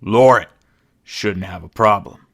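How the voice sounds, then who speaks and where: A gruff orc warrior with a deep, barking voice, low and loud with a rough edge. Coarse and short-tempered, he growls his commands through an audiobook fantasy tale, as a woman narrator puts him on. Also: measured pace, heavily acted. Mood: gruff, irritated. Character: towering gruff male orc warrior leader.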